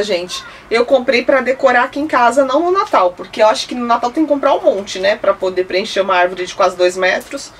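A woman, chatting enthusiastically at home about decor items she bought, holding each one up to the camera. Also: mid-range voice. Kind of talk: casual product haul chat. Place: indoor room, seated at home. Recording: slightly distant mic, faint hiss.

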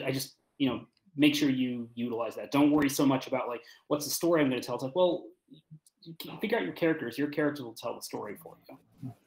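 Man in a roomy, echoing space. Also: medium pitch. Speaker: panelist, podcast creator. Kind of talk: casual panel discussion. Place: indoor room, video call. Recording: roomy echo on video call.

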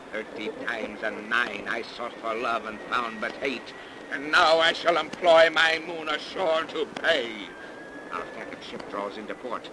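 An actor playing a cursed, vengeful undead ship captain with grandiose, brooding, archaic delivery in 1930s radio horror style. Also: male voice, medium pitch, close to an everyday voice. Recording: noisy old 1930s radio recording.

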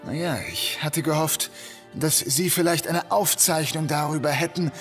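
A man plays a young police inspector in a radio play. His voice is a little high for a man, polite and businesslike yet determined, with faint music underneath. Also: fairly even intonation, moderate pace, fairly bright tone, close to an everyday voice. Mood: insistent. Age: young adult. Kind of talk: German audio drama acting.

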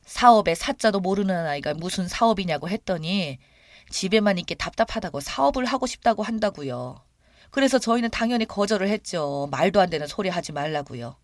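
Older woman narrator, lively and indignant first-person telling, dry close sound. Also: mid-range voice, fairly quick, no room sound. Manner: indignant, expressive. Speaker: storyteller.

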